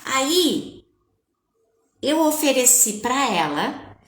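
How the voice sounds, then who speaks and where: Woman coach, conversational live talk to viewers, higher voice with lively swings, roomy echo. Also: extremely slow. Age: adult with a child. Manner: animated, conversational, addresses viewers directly. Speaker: parenting coach. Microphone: webcam or phone on a live stream. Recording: echoey room.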